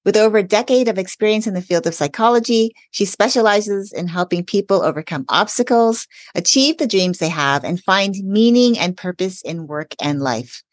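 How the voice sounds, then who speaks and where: A woman's voice: mid-range voice, expressive, normal speed, hardly any pauses, dry recording. A woman hosting a podcast interview, speaking in an upbeat, welcoming way as a self-care coach.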